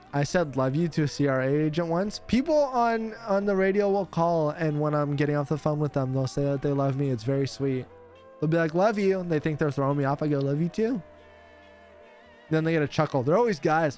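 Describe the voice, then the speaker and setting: Brief: young man, playful streamer-radio host, teasing and quick to laugh, voice a touch high, faint music behind. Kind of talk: casual chat while opening cards.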